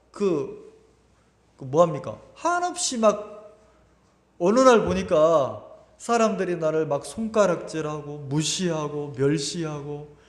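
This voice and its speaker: A pastor giving a Sunday sermon in a lively, conversational way, asking the congregation rhetorical questions and repeating his words often. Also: high voice. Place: church sanctuary. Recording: echoey church hall with long reverb.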